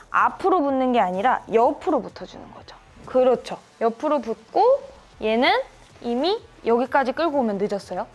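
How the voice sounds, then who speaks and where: A woman golf instructor coaching a student through swings, encouraging them and calling out sound cues like "bang" on each hit. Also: a little high. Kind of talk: hands-on golf lesson coaching.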